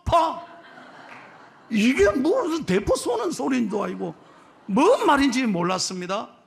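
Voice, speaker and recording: A middle-aged male pastor with a Gyeongsang accent, preaching a sermon in a joking, lively way and teasing his congregation. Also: very high voice, moderate pace, gravelly. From Gyeongsang region of Korea. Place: church sanctuary.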